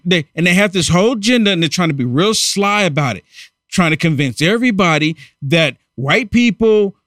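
Heated talk radio host, fairly high voice. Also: male voice, fairly bright tone, no echo, clean studio sound. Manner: heated, emphatic, repeats himself. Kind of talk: political talk radio commentary.

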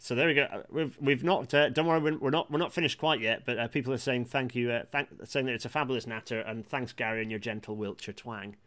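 Male stream host, mid-pitched, informal and chatty, stop-start delivery with repeated words. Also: steady tone, fast, few pauses, fairly bright tone. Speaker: livestream host. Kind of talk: casual live chat hosting.

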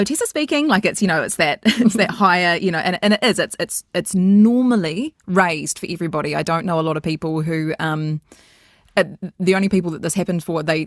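A woman guest speaking earnestly in a reflective interview, with frequent restarts and soft trailing phrases. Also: lowish voice, no echo, studio quality. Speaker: guest, voice coach.

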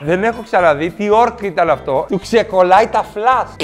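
A man telling stand-up comedy stories, animated and switching into mock voices. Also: sits high, soft background music.

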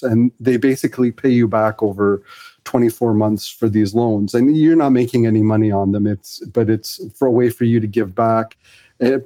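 Middle-aged guy from fiji on a podcast, mellow voice, lots of likes and ums. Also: mid-range voice. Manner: rambling, many fillers and restarts. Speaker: podcast guest. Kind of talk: casual conversational interview.

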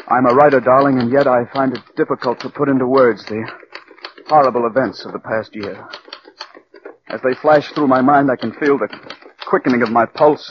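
A man's voice: medium pitch, close to an everyday voice. An actor playing a nervous, eager writer in his early thirties who talks in an earnest, anxious way, in a 1940s radio drama. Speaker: narrator of his own letter. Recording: dull old radio recording, faint hiss.

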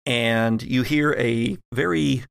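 Slow-paced gravelly man narrating a tabletop game. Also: medium pitch, no room sound, clean studio sound. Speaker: game master. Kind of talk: tabletop role-play narration.

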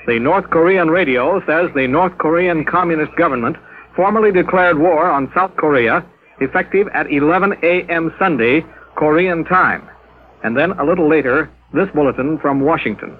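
A male radio announcer reading a formal news bulletin in measured tones, with the sound of an old newsreel. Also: on the high side. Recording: tinny old radio broadcast with faint hiss.

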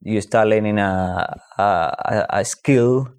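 A man's voice: fairly low pitch, darkish tone, clear, resonant tone. A man from Spain, talking reflectively in a casual discussion and often restarting his sentences. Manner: reflective, halting with repeated restarts.

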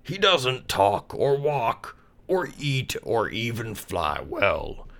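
A stuck-up old groundhog in a storybook, drawling slowly and haughtily with a lively rise and fall. A male narrator puts him on. Slightly off-mic. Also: mid-range voice, gravelly, pitched above the performer's own voice, heavily acted. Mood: haughty. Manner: slow, haughty, pompous.

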